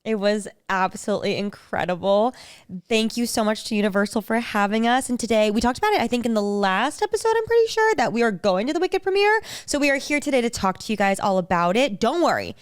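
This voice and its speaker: A woman's voice: on the high side, big pitch swings, quick pace, clear, resonant tone, dry recording, studio quality. A young woman co-hosting a podcast, chatting in an upbeat, earnest way. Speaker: podcast co-host. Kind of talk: casual chat.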